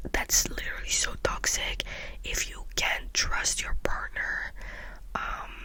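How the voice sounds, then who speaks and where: Whispered speech from a woman, fairly slow in pace, with noticeable noise in the background. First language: not English. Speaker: ASMR youtuber. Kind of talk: whispered ASMR ramble. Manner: whispering; rambling with fillers.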